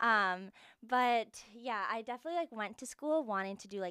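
Recorded dry and close with no echo against a silent background, a woman with an American accent speaks with ordinary pitch variation in a very clean take. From Massachusetts South Shore. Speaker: bodywork and energy healing practitioner. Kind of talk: casual chat.

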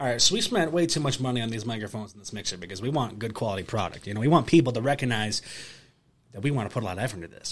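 An American accent carries a man's animated, very fast speech with lively intonation at medium pitch. His voice is somewhat breathy and swings widely in loudness. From Rochester area, New York. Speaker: podcast co-host. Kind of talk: casual chat.

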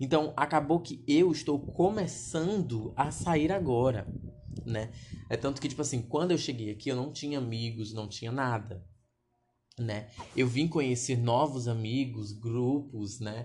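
A man speaks at a fairly slow pace in a medium pitch, his voice somewhat breathy, with ordinary pitch variation. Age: 20s. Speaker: solo podcaster. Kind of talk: casual monologue. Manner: hesitant, with fillers and repetitions.

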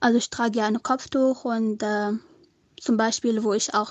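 In an Arabic accent, a woman speaks at a moderate pace with a fairly high pitch and monotone, flat intonation, the sound dry and close with no echo against a quiet background. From Syria. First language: Arabic (speaking German). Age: 20s. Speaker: refugee. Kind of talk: voice message.

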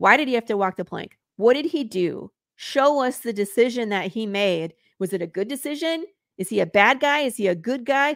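A woman speaks at a moderate pace in a fairly high voice with lively intonation, in a plain, everyday voice. The sound is dry and close with no echo, on a very clean recording with a silent background. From Michigan, Detroit suburbs. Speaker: comic book writer. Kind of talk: casual interview.

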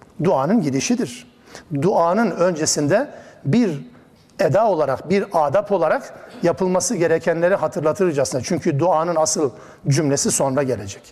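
A man speaks at a high pitch and a moderate pace. His intonation is lively while his loudness stays very even. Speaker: Quran exegesis teacher. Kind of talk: lecture. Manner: speaks aloud to be heard.

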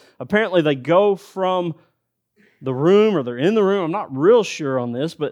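A man with a Southern US accent speaks at a high pitch with lively intonation. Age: 30s. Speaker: pastor. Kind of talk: sermon. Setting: church.

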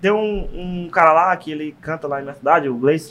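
A man's high-pitched voice with lively intonation. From Piauí, Brazil (Amarante). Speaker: social media comedian. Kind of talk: casual chat.

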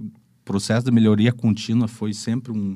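A man speaks at a medium pitch with a dark, mellow tone on a very clean recording with a silent background. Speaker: agribusiness executive. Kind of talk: interview.

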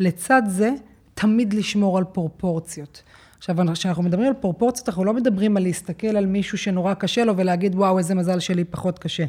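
A dark, mellow, somewhat breathy voice at a fairly quick pace with ordinary pitch variation. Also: woman, medium pitch for a woman. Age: 30s. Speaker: marketing agency owner. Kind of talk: interview.

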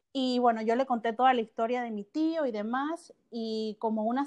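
An unremarkable speaking voice belongs to a woman whose fairly high pitch shows ordinary variation. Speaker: physiotherapist. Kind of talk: interview.

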